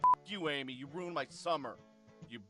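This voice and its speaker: Cartoon party dude in uniform: piercing, animated, crude and dramatic, over music. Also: male voice, a little high, moderate pace. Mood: bitter. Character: hard-drinking, foul-mouthed young male party-bro soldier.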